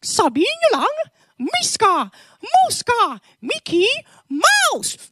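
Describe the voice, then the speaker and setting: A young man voicing a squeaky cartoon mouse in a very high put-on voice. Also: wildly swooping pitch, takes it slowly, sharp tone, heavily acted. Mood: playful.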